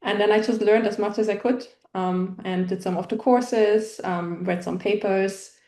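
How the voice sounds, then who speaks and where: A woman's voice: medium pitch, fairly even intonation, normal speed, dark tone. A woman from Germany, an analytics engineer, answering interview questions over a video call in a friendly, methodical way. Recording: echoey room on a video call.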